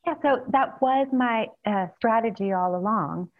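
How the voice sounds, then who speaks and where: A woman from El Salvador, a newly elected city supervisor, answering interview questions in an earnest, casual way with many fillers and soft laughs. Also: a little high, unhurried. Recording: tinny phone line.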